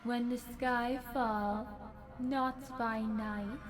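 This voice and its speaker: A woman playing an ominous witch in an audio drama, reciting prophecy in measured, incantatory rhyme over music. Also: a little high, steady tone. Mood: ominous, prophetic. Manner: incantatory, measured rhyming delivery.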